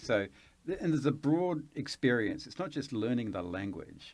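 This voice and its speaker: Talking at a fairly quick pace, a man swings his pitch very widely. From England. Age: 60s. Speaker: ambassador. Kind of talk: interview conversation. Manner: energetic.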